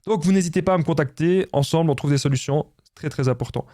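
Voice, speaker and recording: His voice is a little high and dark, and he talks fast while dispensing relationship advice directly to the camera. The man, who has a Belgian French accent, is insistent and repetitive and keeps calling viewers his friends; the recording is dry and studio quality.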